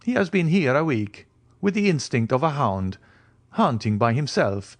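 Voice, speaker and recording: A man's voice: medium pitch, expressive, normal speed, voice pushed up, close to an everyday voice. A man voicing a mysterious, self-assured aristocratic count in an audiobook, speaking formally, precisely and with lofty composure. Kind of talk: audiobook character dialogue.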